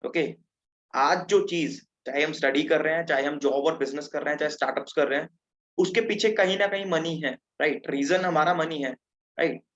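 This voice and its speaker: A man's voice: on the high side, a little fast, a bit bright. Upbeat teenage man teaching online, dull audio. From Punjab, India. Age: teens. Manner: chatty, checks in with listeners. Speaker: webinar presenter. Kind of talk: interactive online lesson. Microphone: video call.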